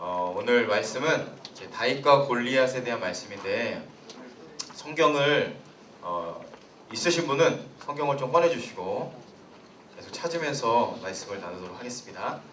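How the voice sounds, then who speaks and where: A young man, a pastor, giving a sermon to a youth congregation in a lively storytelling way and putting questions to the listeners. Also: mid-range voice, normal speed, slight background noise. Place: church hall. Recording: roomy hall, voice from a distance.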